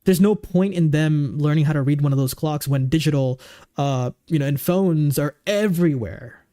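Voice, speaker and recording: A man's voice: on the high side, moderate pace, dark tone. A man in his twenties chatting casually on a livestream, rambling with lots of fillers and restarts, goofy and easygoing. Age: 20s.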